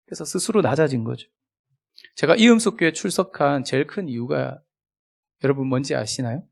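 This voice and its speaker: A man preaching a sermon as a guest pastor, chatty and humorous, with big swings in loudness, acting out remembered conversations. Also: medium pitch, fairly quick, creaky. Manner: acts out remembered dialogue.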